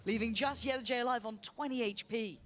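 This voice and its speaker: A woman casting an esports match with brisk, polished play-by-play commentary. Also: fairly high pitch, a bit bright, slight background noise. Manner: brisk, polished broadcast delivery. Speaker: esports caster.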